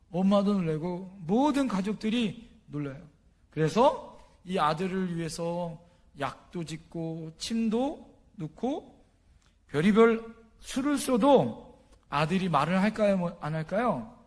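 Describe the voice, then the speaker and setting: A male pastor preaching a story-driven sermon, often asking the congregation questions and swinging from loud emphasis to hushed lines. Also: high voice.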